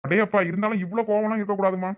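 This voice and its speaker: A man with a Thoothukudi Tamil accent acting in a village comedy sketch, with fast, pleading, joking banter. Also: high voice, fairly even intonation, dull audio. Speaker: comedy skit actor.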